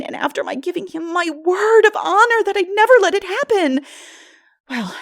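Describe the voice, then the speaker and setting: High, melodramatic teenage girl. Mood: fretful, rueful. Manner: breathless, exclamatory, dramatic. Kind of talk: dramatic audiobook character voice.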